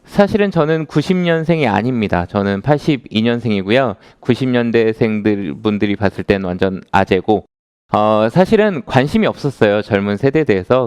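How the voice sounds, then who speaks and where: Male lecturer in his thirties, lively rising-and-falling delivery, smooth clear voice, dry close sound. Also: on the low side, dry recording. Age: 30s. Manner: conversational, asks the audience questions. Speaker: author giving a lecture. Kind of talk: lecture to a live audience.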